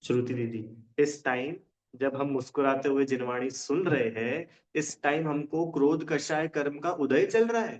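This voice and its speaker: A man's voice: mid-range voice, normal speed. A man teaching a religion class in casual Hindi. He often checks whether his students understand and explains with everyday examples. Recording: dull lo-fi sound.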